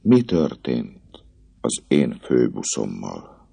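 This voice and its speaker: A man with a gravelly, husky voice reading an audiobook and voicing a proud, defiant young gypsy woman who is shrill, cold and scornful. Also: huge pitch swings, dark tone, dry recording, exaggerated voice. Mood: icy.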